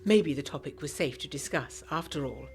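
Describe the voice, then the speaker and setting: A woman's voice: deep voice, expressive, normal speed, soft background music. A woman playing a genteel, secretive young 1920s Englishwoman, narrating a gothic audio drama in a refined, confiding way. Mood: uneasy, reflective. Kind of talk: scripted first-person audio drama narration.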